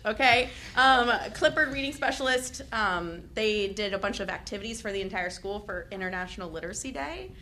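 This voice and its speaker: A young woman who is a teacher reads shout-outs at a school board meeting, chatty and loud, with laughing asides. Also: a little high, slight background noise. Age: young adult. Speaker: teachers association representative.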